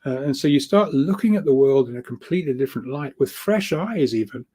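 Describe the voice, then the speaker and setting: A man with a soft-edged, mellow voice at a middling pitch talks informally, like a guest speaker explaining his research. He rambles and halts, doubling back on words as he works through each idea. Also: expressive, slightly rough. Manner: halting, repeats words, rambling, chuckles often. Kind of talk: informal spoken explanation of spiritual ideas.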